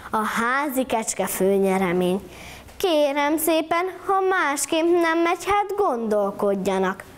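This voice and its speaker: A woman's voice: a little high, natural voice. A woman reciting a monologue as a proud, boastful house goat, mock-indignant.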